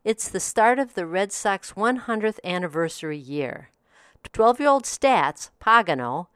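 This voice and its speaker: A woman's voice: fairly low pitch, a bit bright, smooth, dry recording, studio quality. A woman hosting a daily audiobook review podcast, reading a scripted review with a polished delivery.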